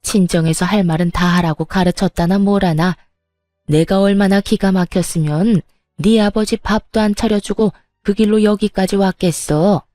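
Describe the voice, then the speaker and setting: A woman's voice: medium pitch, fairly even intonation, moderate pace, dark tone, dry recording, studio quality, soft background music, lightly acted. A woman voicing a furious, spiteful older mother-in-law who berates and sneers, in a dramatized story reading. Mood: angry scolding.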